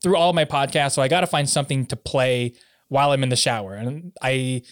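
A man's voice: medium pitch, a little fast, dry recording, clean studio sound. A man in his late twenties chatting casually and telling joking anecdotes among friends.

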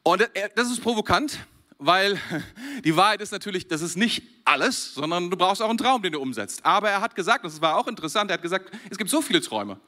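Lively high-voiced German preacher man. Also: fast. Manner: animated, chuckles often between phrases. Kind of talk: lively sermon to a congregation.

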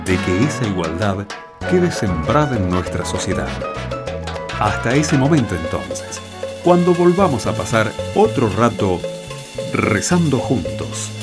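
Male radio narrator: Argentine, scripted delivery, lowish pitch, very expressive melody, prominent music bed. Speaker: host and narrator. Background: loud music.

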